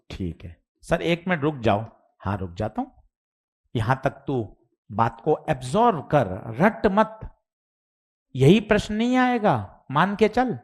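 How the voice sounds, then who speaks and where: Male physics teacher, live online class. Slow and deliberate, animated, fairly high voice. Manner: addresses students informally, mimics their questions.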